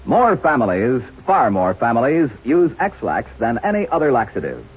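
A chipper male announcer sells in the manner of a 1950s radio ad. His husky voice swings with lively pitch. The sound is a muffled, vintage broadcast. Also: normal speed. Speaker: commercial announcer.

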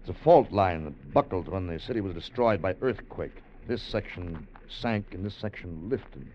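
A man's voice: low voice, lively intonation, normal speed, dark tone, a little hiss or hum. An actor playing an earnest, hesitant man leading a treasure salvage voyage, in 1940s radio acting, on a dull old broadcast recording. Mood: explaining.

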